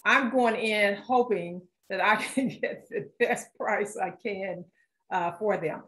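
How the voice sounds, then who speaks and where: A woman's voice: medium pitch, takes it slowly, a bit bright, echoey room, low-quality recording. A woman art collector from Philadelphia, talking casually as a guest at an author talk, with many fillers and restarts. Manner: chatty, many fillers and restarts, laughs often.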